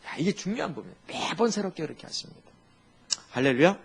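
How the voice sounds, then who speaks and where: A male pastor preaching a sermon in an animated, humorous way, full of rhetorical questions. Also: a little high, quick pace, gravelly, slightly rough.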